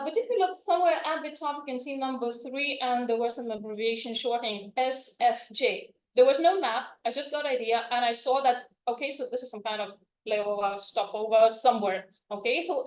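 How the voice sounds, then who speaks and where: A Lithuanian woman teaches languages and gives an informal conference presentation on a microphone. Her voice sits a little high, and she talks chattily with frequent "you know" fillers. The conference room adds a noticeable echo. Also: brisk, few pauses. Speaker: conference speaker, language educator.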